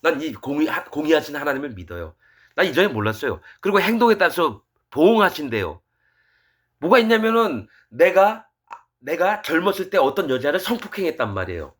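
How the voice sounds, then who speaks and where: A man's voice: fairly high pitch, very animated, brisk. Pastor guy preaching, talks loose and chatty, voice swings up and down a lot. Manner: colloquial, conversational preaching. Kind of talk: sermon with Bible reading.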